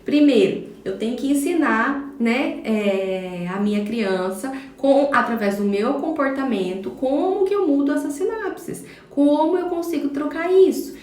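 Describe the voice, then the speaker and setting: A woman's voice: sits high, unhurried, few pauses, a little mellow, reverberant. A woman with a Brazilian Portuguese accent, a parenting educator giving a live talk from home, explaining and checking in with viewers. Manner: explanatory, addresses viewers directly, frequent "tá?" check-ins. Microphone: phone for a social media live.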